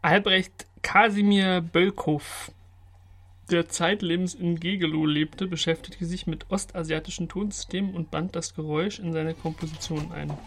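A man's voice: a little high, fairly even intonation, moderate pace, a bit bright. A man narrating scripted lines for a radio programme.

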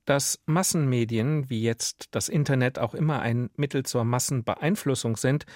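A man's voice: medium pitch, moderate pace, a little mellow, no echo. Formal male interviewer, dry sound. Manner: formal, long structured sentences. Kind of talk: formal scripted interview questions.

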